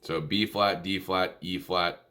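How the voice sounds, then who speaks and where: A man giving an informal music lesson, calling out notes in a halting, easygoing way and correcting himself as he goes. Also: sits low, fairly even intonation, bright, forceful tone. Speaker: music tutorial instructor. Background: musical instrument playing between and under phrases.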